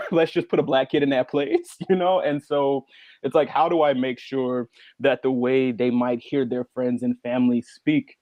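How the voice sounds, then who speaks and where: A man's voice: mid-range voice, steady tone, a little slow, dry recording. A man from the United States talking casually and conversationally as a guest on a panel. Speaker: podcast creator, panel guest. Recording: slightly dull, band-limited audio.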